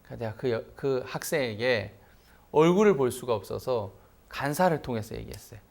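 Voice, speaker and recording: A man's voice: medium pitch, fairly quick, vocal fry. A middle-aged man, a pastor, telling a personal story in a sermon and letting his voice rise sharply for emphasis. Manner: lively anecdotal preaching, voice rising sharply for emphasis.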